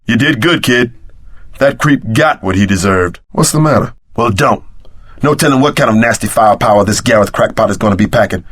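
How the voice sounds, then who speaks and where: An actor playing a tough, streetwise, wisecracking action sidekick in a video game, with a husky voice and gruff, slangy delivery. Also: male voice, fairly low pitch, fairly quick, a bit bright. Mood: wary, streetwise.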